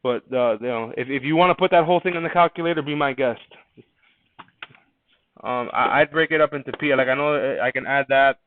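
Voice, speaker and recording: This math teacher speaks at medium pitch and a brisk clip, reviewing a quiz in a casual, conversational classroom lesson. He frequently restarts and repeats words while thinking, and the recording is dry and phone-like with a narrow sound and no room sound.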